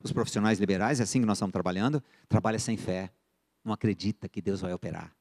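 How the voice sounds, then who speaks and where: A man's voice: fairly low pitch, quick pace. A middle-aged man with a Brazilian accent teaching a church finance course, telling stories and acting out buyers and sellers in the dialogues. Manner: lively storyteller who acts out buyer and seller dialogues. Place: church sanctuary. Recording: long church reverb.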